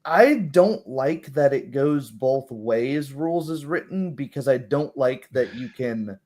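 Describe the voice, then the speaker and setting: A man in the role of game master talks in a casual, conversational way. He explains how the game works and briefly acts out examples. His voice sits at a middling pitch. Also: expressive, takes it slowly, a little mellow. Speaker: game master of a tabletop roleplaying game. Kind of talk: casual chat about game rules.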